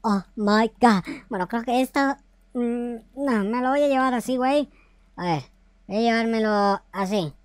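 An excitable little noob warrior, voiced by a man for a video game roleplay. The voice is very high and close, with no room sound. He is slangy and foul-mouthed and repeats his words, while music plays behind him. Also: measured pace, smooth, no echo. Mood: musing. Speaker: gaming YouTuber. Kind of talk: improvised Minecraft roleplay. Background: background music.

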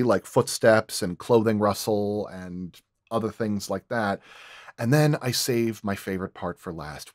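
A man's voice: on the low side, darkish tone, no echo, studio quality. A man speaking as a sound designer in a roundtable, thinking aloud and repeating and rephrasing as he explains his craft.

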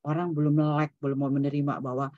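A woman's voice: low voice, level tone, fast talker, no room sound, narrow, tinny audio. A woman psychologist giving an online seminar lecture in a loose, conversational way, dropping English terms into her talk and tagging sentences with "gitu ya". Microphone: video call.

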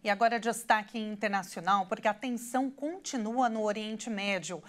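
A woman's voice: medium pitch, normal speed. A Brazilian woman in her thirties presenting scripted TV news as an anchor in a studio.

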